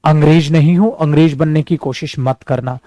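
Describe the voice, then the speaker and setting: A male English teacher with an Indian accent runs a class, repeating words and speaking English sentences very slowly. His voice sits a little high but sounds soft and dark in tone. The recording is dry, with no room echo. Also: fairly even intonation. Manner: addresses students as dear and son, repeats words for drill; slows to a careful crawl for English example sentences. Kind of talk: online spoken-English class.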